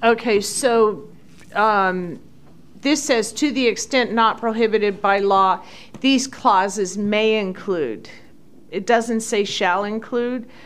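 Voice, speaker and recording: Very slow female speech with ordinary pitch variation. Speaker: county commissioner. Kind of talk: committee meeting debate.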